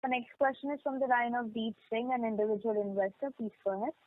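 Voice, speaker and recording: Lady call operator, formal scripted announcements, highish voice, close dry phone audio. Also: quick pace, no echo. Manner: formal, procedural. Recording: dry, narrow phone line.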